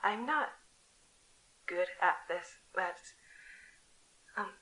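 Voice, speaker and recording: Woman doing a awkward space courier lady making a log, tense sharp voice, lots of halting, audio drama. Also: mid-range voice, lively intonation, full character voice, rough recording. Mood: reluctant, struggling. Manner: hesitant, halting, self-conscious.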